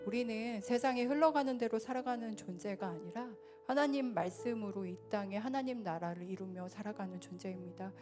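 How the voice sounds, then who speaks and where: A woman preaching a sermon in a church, earnest and swelling louder then dropping soft. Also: medium pitch, a little fast, few pauses, music in the background. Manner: earnest, rises and falls in loudness. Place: church sanctuary.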